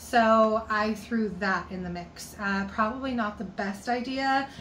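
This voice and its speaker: A woman's fairly high voice with ordinary pitch variation, plus noticeable background noise and audible room echo. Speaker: shop owner and thrift vlogger. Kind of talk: casual haul vlog.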